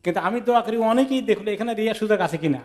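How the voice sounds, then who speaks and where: A man delivers a relaxed sermon on Quran commentary. He talks to listeners like in a chat, voicing the people in his stories and slipping in English words. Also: high-pitched, rapid-fire. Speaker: Islamic teacher giving Quran tafsir. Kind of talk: sermon-style lecture with acted anecdotes.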